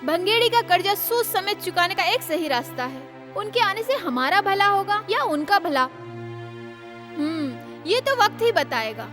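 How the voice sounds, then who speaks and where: A woman's voice: very high voice, big pitch swings, moderate pace, over music. A young woman playing an outspoken, caring village daughter in a dubbed film drama. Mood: wry. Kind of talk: dubbed Indian film acting.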